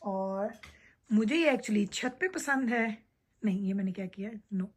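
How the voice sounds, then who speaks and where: This woman's medium-pitched voice is animated yet a little slow as she tours her bedroom at night for her vlog. Speaking into a handheld phone, she casually addresses viewers and shows them around.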